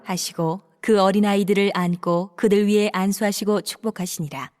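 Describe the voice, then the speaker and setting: A woman narrates scripture in a steady, formal reading voice. Her pitch sits in the middle of the female range. A long hall reverb follows her words. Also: normal speed. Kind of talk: dramatized Bible reading narration.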